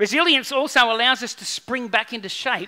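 In a raised, projected voice, a man speaks with a bright, sharp tone. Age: 50s. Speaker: pastor. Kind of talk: sermon. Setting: church. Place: church.

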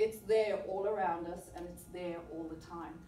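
A woman talks at a moderate pace, with light background noise and audible room echo. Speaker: speaker. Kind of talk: prepared speech. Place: meeting room. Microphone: camera far.

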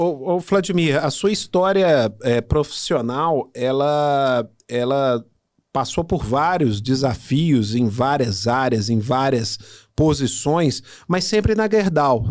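A man's fairly high voice at a very slow pace, lively in intonation and very even in loudness, over a quiet background. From Minas Gerais, Brazil. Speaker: podcast host. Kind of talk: interview conversation. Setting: studio. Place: studio. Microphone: studio mic.

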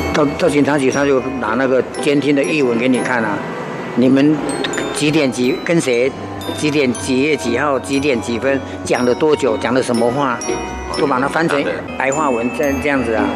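A man at a moderate pace with long, frequent pauses, ordinary pitch variation, and clear music in the background. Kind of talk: interview answer.

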